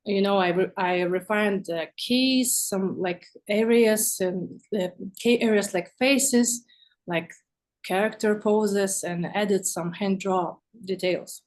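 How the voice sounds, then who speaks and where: A woman who is not a native English speaker, talking casually and haltingly as a guest artist in an interview. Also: mid-range voice.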